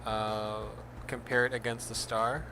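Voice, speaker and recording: Relaxed man streaming flight sim. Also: mid-range voice, unhurried, noisy background. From Philippines. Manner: switches between Filipino and English, relaxed chatty, reads radio calls. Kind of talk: casual stream chat and radio calls.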